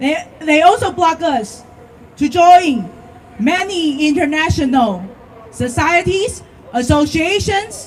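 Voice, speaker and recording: Very slow speech with a Chinese accent and long, frequent pauses, set against noticeable background noise. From Taiwan. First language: Mandarin Chinese. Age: young. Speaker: student activist. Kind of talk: rally speech.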